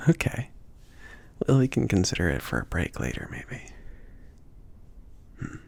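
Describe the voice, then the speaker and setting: A man playing a bashful, indulgent mage shopkeeper in an intimate ASMR roleplay, speaking in a breathy, gravelly half-whisper with a hesitant, gently teasing, rambling manner. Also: low-pitched, big pitch swings, takes it slowly, long pauses, full character voice. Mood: shy, playful. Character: soft-spoken, bashful, easygoing male mage shopkeeper, indulgent.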